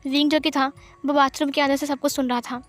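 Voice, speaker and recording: A woman's voice: high-pitched, flat delivery, quick pace, faint music behind. A woman narrating a fan fiction story in a plain retelling style, with many speech tags.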